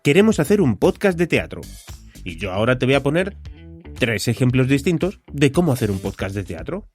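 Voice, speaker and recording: Male podcast host, Spain accent, very lively pitch movement, conversational, asks the listener questions, faint music behind. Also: brisk. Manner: direct address to listener with rhetorical questions. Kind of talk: conversational solo podcast monologue.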